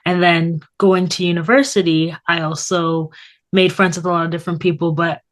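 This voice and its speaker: A Canadian woman around thirty speaks as a guest in a casual chat. Her voice is a little lower than average for a woman. She talks informally, often interrupting herself and circling back. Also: fairly even intonation, moderate pace. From Toronto, Canada.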